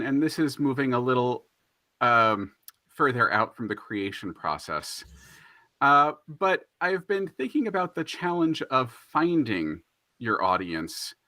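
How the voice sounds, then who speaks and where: A man's voice: mid-range voice, pushed and bright, no echo. A man moderating a panel conversation, phrasing his questions in a thoughtful, hesitant way.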